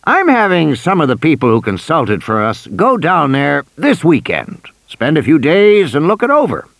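A male narrator putting on a pushy old tycoon, all cheer and persistence. The voice rides noticeably higher and livelier than the reading voice, with a dry, close sound. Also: huge pitch swings, normal speed, gravelly, fairly bright tone, dry recording, exaggerated voice. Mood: coaxing. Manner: insistent, persuasive, coaxing.

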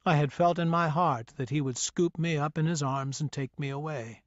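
A man narrating a memoir audiobook in a measured, sombre first-person reading. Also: a little high, steady tone, dry recording, dull audio.

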